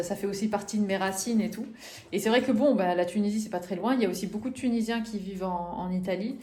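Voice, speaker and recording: A woman's voice: medium pitch, dark tone, slight background noise. A woman in her thirties from northern France, chatting and confiding to camera in a casual vlog, with many fillers. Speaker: vlogger.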